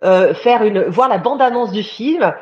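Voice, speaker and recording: A woman's voice: medium pitch, animated, a little slow, a little mellow. A woman hosting a live online interview as a love coach, chatty and hesitant with fillers. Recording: dull lo-fi sound.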